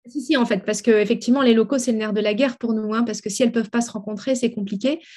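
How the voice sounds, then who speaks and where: The voice is dark and mellow in tone, somewhat breathy, with fairly even intonation. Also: woman. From northern France. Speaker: entrepreneur, association director. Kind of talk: interview.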